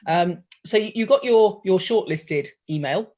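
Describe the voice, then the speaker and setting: A woman hosting an interview, effusive and animated as she tells stories and asks questions. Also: fairly low pitch, unhurried. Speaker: interviewer, host. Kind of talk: chatty interview. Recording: dull lo-fi sound.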